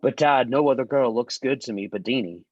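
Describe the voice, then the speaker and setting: A man acting an earnest, troubled teenage son who speaks haltingly and deferentially in a drama table read. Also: medium pitch, no echo, highs cut off, close to an everyday voice. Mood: pleading, dejected. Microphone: video call microphone.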